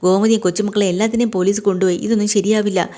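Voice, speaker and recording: A woman's voice: mid-range voice, fairly even intonation, racing, mellow, close to an everyday voice. A woman voicing an anxious old grandmother. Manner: worried, urgent.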